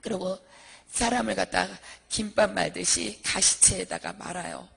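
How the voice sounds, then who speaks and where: A woman's voice: medium pitch, normal speed, creaky, a bit bright, slightly rough, long reverb tail. A woman giving a religious testimony, telling her vision in a vivid, emotional way. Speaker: church testimony speaker.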